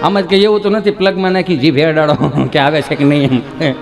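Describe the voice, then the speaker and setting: A man's voice: on the high side, fast talker, over music. A man with a Kathiawadi Gujarati accent telling folksy stories on a live stage, acting out the dialogue himself. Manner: folksy, chatty, acts out dialogue. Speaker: stand-up comedian. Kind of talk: live folk comedy storytelling. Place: live stage show with audience. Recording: stage mic with crowd noise.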